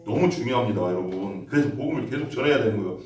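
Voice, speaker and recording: A man's voice: rapid-fire, far from the mic. Preaching man in an echoey church. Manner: storytelling, rises sharply in pitch when excited. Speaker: pastor. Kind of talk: sermon. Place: church sanctuary.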